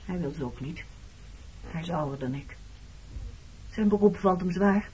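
A woman's voice: on the low side, normal speed, dark tone, a little hiss or hum, close to an everyday voice. An actress playing a wounded, reproachful married woman in a Dutch radio play, speaking frankly about her past. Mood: bitter, subdued. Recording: dull, muffled old radio recording.

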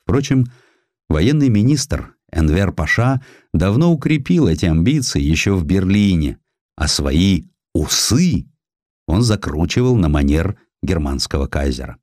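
A deep-voiced man reads a historical audiobook. His delivery is expressive and theatrical, with pitch that moves widely through each sentence. The sound is dry and close. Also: measured pace, no room sound. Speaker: audiobook narrator. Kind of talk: scripted dramatic narration of a historical essay.

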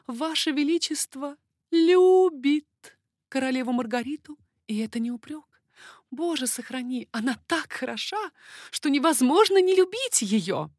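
Brief: a woman playing a coy young baroness, high and breathy, lilting and teasing. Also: darkish tone, no room sound, studio quality. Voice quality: breathy, airy whispers. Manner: coquettish, lilting.

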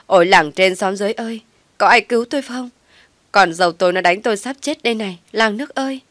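A woman playing a dramatic old mother-in-law, loud wailing lament, scolding, lowish voice, dry sound. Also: a little fast, dry recording. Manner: wailing, theatrical complaining.

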